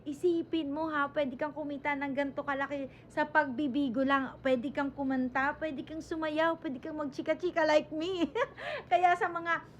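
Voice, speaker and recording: A woman's voice: sits high, steady tone, normal speed, a little hiss or hum. A young woman, a family vlogger talking casually to her viewers, chatty and often laughing. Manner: chatty, laughing, coaxing the kids. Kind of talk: casual family vlog and direct-to-camera pitch.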